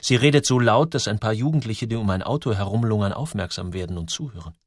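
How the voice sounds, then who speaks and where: A man reading a story aloud in scripted narration, with lively, dramatic ups and downs. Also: on the low side, quick pace, no room sound, clean studio sound. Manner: lively, dramatic storytelling with sudden drops and rises. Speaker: audiobook narrator.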